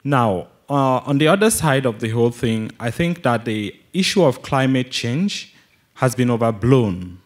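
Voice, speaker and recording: A man's voice: medium pitch, animated, a little slow. A young man from Cameroon with a Cameroonian accent, commenting from the audience as a student, in an explanatory way. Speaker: audience questioner, geology PhD student. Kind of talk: question and comment from the floor.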